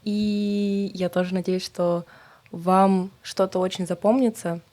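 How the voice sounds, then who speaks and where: A woman's voice: medium pitch, fairly even intonation, slow pace, warm tone. An eighteen-year-old woman as a podcast guest, speaking in a playful, teasing way. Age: teens. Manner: playful, mock-parent teasing. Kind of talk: casual group podcast chat.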